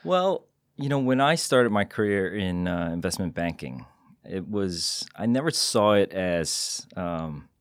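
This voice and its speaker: A man from Singapore, a guest on a studio podcast, answering in a measured, modest way with frequent hesitations. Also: sits low, animated, no echo. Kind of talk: interview answers.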